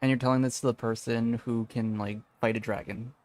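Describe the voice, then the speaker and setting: A man's voice: mid-range voice, little pitch movement, brisk, a little mellow. A man doing casual gameplay commentary as a streamer, rambling and thinking aloud, with game music behind him.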